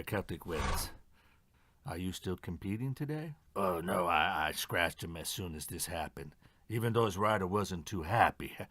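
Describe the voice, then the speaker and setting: Man playing a stubborn, low-voiced horse trainer. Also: fairly bright tone, breathy edge, heavily acted. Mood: subdued, guarded. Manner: defensive, addresses superiors respectfully. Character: stubborn, defensive male horse trainer, deferential but defiant. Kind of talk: audio theatre murder mystery acting.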